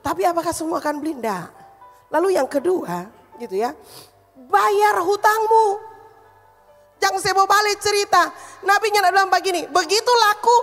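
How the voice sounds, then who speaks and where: A woman's voice: extremely high pitch, a bit bright, in a large hall. A woman pastor with a Manado accent preaching a sermon, emphatic and calling the congregation to repeat phrases after her. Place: church hall.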